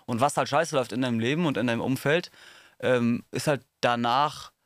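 A man's voice: medium pitch, brisk, no echo. A man hosting a casual podcast chat, throwing provocative, needling questions at his guest.

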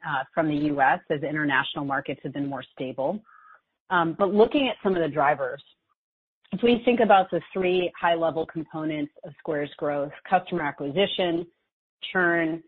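A woman executive speaks in a low, slightly husky voice over a narrow phone-like call line. She walks through financial results in a measured, businesslike way. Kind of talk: earnings call commentary, explanatory. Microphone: conference call line.

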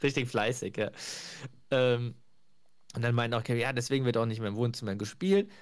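Man, podcast host, relaxed chat, laughs a lot, middle-range voice. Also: mid-range voice, brisk, smooth. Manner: laughs often, acts out quotes lightly. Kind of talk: casual chat retelling sitcom scenes.

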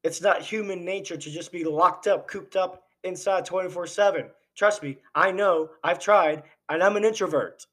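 His voice is high-pitched and fairly bright, moving at a normal speed with few pauses. As a podcast host, he pours out passionate political commentary loaded with rhetorical questions while losing his voice.

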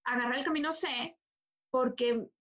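A woman's voice: fairly high pitch, steady tone, normal speed, fairly bright tone, dull audio. A woman giving a motivational coaching talk, emphatic and repeating phrases for stress.

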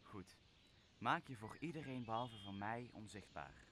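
A young man playing a wronged, commanding exiled sorcerer in a Dutch radio play, speaking solemnly and deliberately. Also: fairly low pitch, expressive, pushed and bright, slight background noise. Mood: commanding, brooding. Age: young adult. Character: wronged exiled sorcerer master, brooding and commanding, father figure. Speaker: drama student actor.

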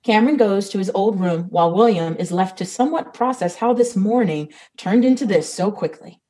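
A woman's voice: mid-range voice, fairly quick, dark tone, low-quality recording. A woman reading the stage directions of a comedy script, matter-of-fact.

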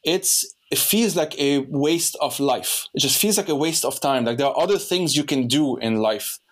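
A man's voice: a little high, normal speed. A young man from Lebanon hosting a podcast, talking in a loose, rambling way with many restarts. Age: young adult. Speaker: podcast host. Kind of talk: casual conversation.

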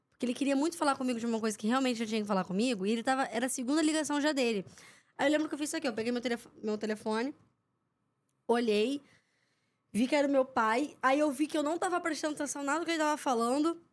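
Lively woman telling stories. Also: sits high, very fast. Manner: lively storyteller who acts out the quotes of people in her stories. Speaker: podcast guest, sports reporter. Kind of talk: casual anecdote-telling in a podcast interview.

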